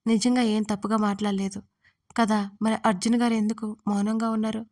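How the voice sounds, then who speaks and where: A woman's voice: medium pitch, flat delivery, a little fast, darkish tone, dry recording, clean studio sound, recorded from a distance, close to an everyday voice. A woman voicing a timid young woman in an audio story, speaking in a faltering, tearful way.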